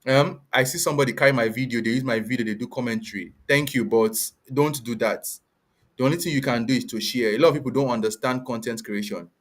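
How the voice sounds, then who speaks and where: A man's voice: mid-range voice, quick pace. Blunt West African man speaking Pidgin. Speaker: host and content creator. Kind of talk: casual live online talk in Pidgin English mixed with English.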